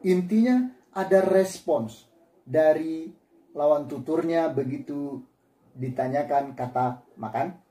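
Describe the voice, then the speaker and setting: Speaking slowly with a dark tone and a slightly high pitch, a man leads a language class in a roomy-sounding space. He patiently explains points and performs sample intonations by repeating words.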